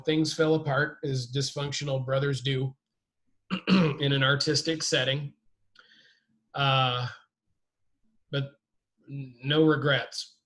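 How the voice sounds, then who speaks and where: A man's voice: on the high side, a bit bright, rough recording. A man in his forties on a video call, talking loosely, joking and swearing freely. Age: 40s. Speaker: guest. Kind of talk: casual chat on a video call. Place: dim room indoors. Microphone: video call webcam.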